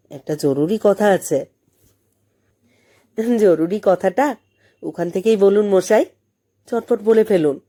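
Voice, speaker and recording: A woman's voice: mid-range voice, warm tone, pitched above the performer's own voice. A woman voicing a playful, mischievous teenage girl in love for an audio story, bantering and mock-scolding.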